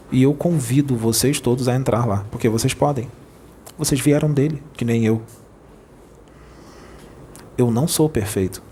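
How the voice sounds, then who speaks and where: A man with a Brazilian Portuguese accent, a spirit medium preaching informally in a playful, jokey way that rushes over his words. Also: mid-range voice, dark tone, a little hiss or hum.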